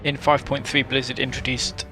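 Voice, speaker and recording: A man's voice: mid-range voice, little pitch movement, normal speed, pushed and bright. A man giving emphatic, opinionated commentary on an online game as a video host. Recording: music behind the voice. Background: music.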